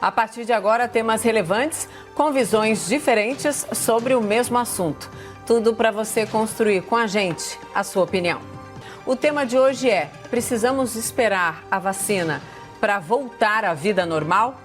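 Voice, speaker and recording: A woman's voice: on the high side, moderate pace, faint music behind. A Brazilian woman presenting formally in broadcast style, as the host of a television debate.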